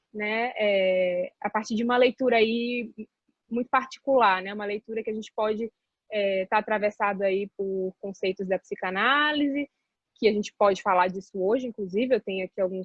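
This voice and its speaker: A woman speaks with a Maranhão accent at a moderate pace. Her pitch is medium, with ordinary variation. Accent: Maranhão accent, noticeable. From Brazil, São Luís, Maranhão. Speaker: psychoanalyst. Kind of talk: interview. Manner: hesitant, many fillers.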